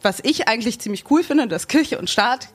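A woman's voice: on the high side, lively intonation, a little fast, slightly rough. A young woman raised bilingual in Germany, chatting casually as co-host and searching for her words with many fillers and restarts. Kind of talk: casual chat.

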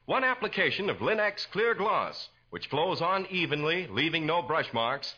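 An American man works as a polished 1940s radio announcer. His voice is bright and forceful, a little husky, with animated intonation and emphatic selling. The old broadcast sound is dull. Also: fairly high pitch.

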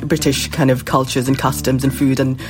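A woman's voice: very deep voice, little pitch movement, a little fast. A woman originally from Bangladesh, talking reflectively as a guest in an interview and often saying "you know". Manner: warm, reflective, many fillers like "you know". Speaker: food writer and guest. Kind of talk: conversational interview.

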